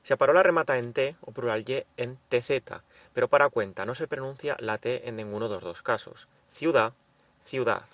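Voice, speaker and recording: A man's voice: medium pitch, a little fast, hardly any pauses, a bit bright, dry recording. A man presenting a language lesson, carefully reading out rules and example words. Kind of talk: scripted lesson narration.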